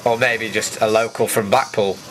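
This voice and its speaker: A man's voice: fairly low pitch, fairly even intonation, normal speed, fairly bright tone. A man giving a casual, dryly jokey voice-over commentary as the host of an event video.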